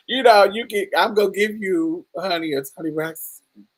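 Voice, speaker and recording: A woman with a deep voice hosting a casual podcast chat, telling stories with frequent laughter and calling the listener honey and baby. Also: unhurried, breathy edge, rough recording. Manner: animated storyteller, laughs often, calls listeners honey and baby. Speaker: podcast host.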